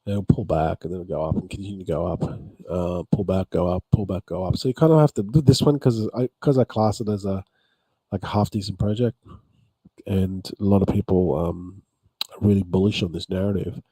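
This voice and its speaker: A man's voice: sits low, fairly even intonation, a little fast, warm tone, husky, no room sound, poor audio. A man in a rambling casual vlog about crypto, tired after a late night, repeating himself with many ums. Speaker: crypto vlogger. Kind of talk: casual talk to camera.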